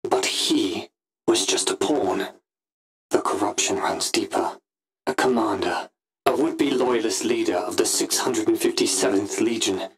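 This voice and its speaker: Low-voiced, menacing Sith Inquisitor. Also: male voice, creaky, a little hiss or hum, low-quality recording. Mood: brooding, wary. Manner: pompous, deliberate, theatrical villain monologue. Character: ambitious, brooding male Sith Inquisitor, menacing and calculating. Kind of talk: scripted in-character log narration.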